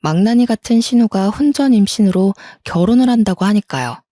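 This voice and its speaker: Casual woman narrator, talks through her story like gossip, mellow voice. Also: mid-range voice, animated, a little fast, dry recording, clean studio sound. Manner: chatty, conversational retelling. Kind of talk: first-person story narration.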